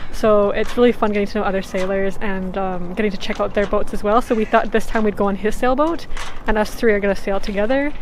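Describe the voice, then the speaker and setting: A woman at a very fast pace with fairly even intonation, light background noise and a dry sound with no echo. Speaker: sailing vlogger. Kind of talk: casual vlog chat. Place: boat. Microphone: phone near.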